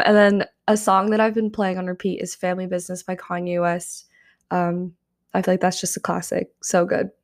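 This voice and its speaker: A woman's voice: on the low side, gravelly. A young adult woman hosting her own podcast, talking casually with frequent ums, her voice slightly strained. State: slightly strained voice after karaoke. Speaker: podcast host. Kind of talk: solo podcast monologue.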